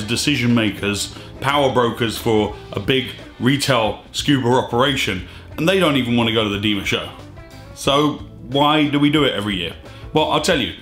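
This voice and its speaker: A scuba diving channel host with a slightly hoarse, medium-pitched, somewhat bright voice vents to camera in an opinionated vlog, emphatic and exasperated as he gestures with his hands. He's in a small indoor studio room that sounds echoey, with faint music.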